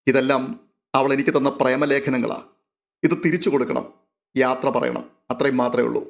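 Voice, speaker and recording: A man's voice: medium pitch, fairly even intonation, moderate pace, vocal fry, natural voice. A man reading a storybook, voicing a drunk, stubborn young man who sounds weary yet threatening. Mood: menacing.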